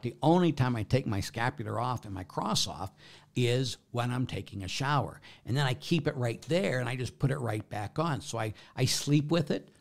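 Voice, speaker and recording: His mid-range voice carries vocal fry as he speaks as a Catholic priest. The man teaches about faith informally and answers questions in a conversational, emphatic way, frequently checking in with his listeners.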